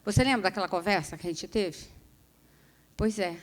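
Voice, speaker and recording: A woman voicing a husband who announces he is leaving, speaking in a quiet, matter-of-fact way. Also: medium pitch, normal speed, natural voice. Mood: cold. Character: calm, cold husband leaving his wife.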